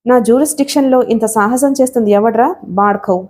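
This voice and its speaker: A woman's voice: fairly high pitch, a little fast, a little mellow, lightly acted. A woman voicing a corrupt male police inspector who barks at the weak and fawns on the rich. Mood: bullying. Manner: barking, then servile.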